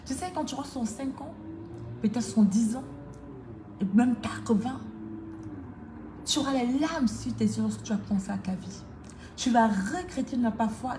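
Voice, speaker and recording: A woman coach giving a motivational talk to the viewer, emphatic and repetitive in a preaching cadence. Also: medium pitch. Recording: echoey room with faint noise.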